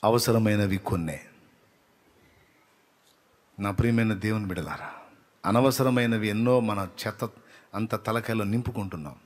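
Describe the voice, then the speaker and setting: A man preaching a sermon with passion, swinging from loud, urgent appeals to soft, tearful prayer. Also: lowish voice, normal speed, long pauses.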